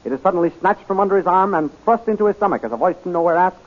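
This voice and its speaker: Casting: male serial announcer, high voice, declamatory delivery, thin vintage radio sound. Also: animated, rapid-fire. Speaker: announcer and narrator. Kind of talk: dramatic scripted 1930s radio narration. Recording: thin, phone-like 1930s radio recording.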